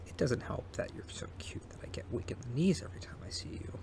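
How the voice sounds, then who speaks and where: A man's voice: mid-range voice, lively intonation, fast, vocal fry. A man acting a cute, bashful young neighbor with a crush in an intimate ASMR roleplay, hesitant, sweet and teasing. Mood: shy confessing. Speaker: audio roleplay performer. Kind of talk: intimate ASMR romantic roleplay, soft acted monologue.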